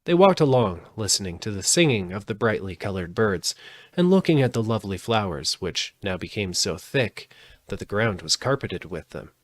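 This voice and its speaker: A man reading a children's storybook aloud live, in an expressive narrating style. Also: fairly low pitch, normal speed, no room sound. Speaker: audiobook reader.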